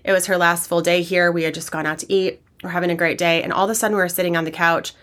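A woman hosting her fitness podcast, speaking casually and candidly through a hoarse, raspy voice from being sick, rambling with fillers. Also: fairly low pitch, steady tone, fast, fairly bright tone. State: hoarse from illness. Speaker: podcast host and personal trainer. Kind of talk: casual solo podcast talk.

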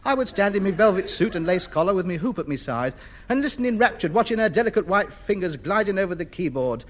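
A man's voice: sits high, very animated, quick pace, fairly bright tone. An actor playing a vain, self-important man who clings to faded grandeur, in a 1950s radio sitcom. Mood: grandiose. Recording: old radio broadcast.

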